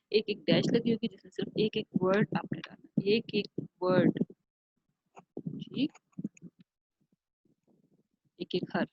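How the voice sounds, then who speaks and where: Pakistani woman, teacher; slow careful delivery with some vocal fry; dull, lo-fi recording. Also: mid-range voice, no room sound. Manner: slow, careful pronunciation, repeating words. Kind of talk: online class lesson.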